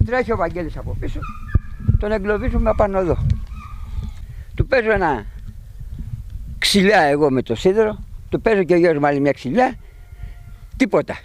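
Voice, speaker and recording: A middle-aged man outdoors at his sheep pen, retelling to a reporter what happened in an agitated, animated way. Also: sits high, long pauses, slight background noise. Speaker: sheep pen owner telling of an intruder. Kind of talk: eyewitness account to a reporter.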